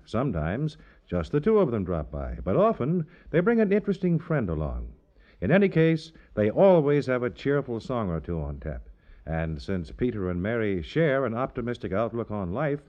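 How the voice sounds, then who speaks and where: A man doing scripted 1950s radio announcing in a polished, salesmanlike manner. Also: medium pitch. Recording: dull 1950s radio recording.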